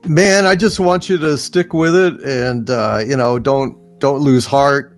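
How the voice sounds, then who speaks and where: A man's voice: mid-range voice, fairly even intonation, measured pace, faint music behind. A man speaking as a guest in a casual chat, with an earnest, encouraging manner. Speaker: panel guest.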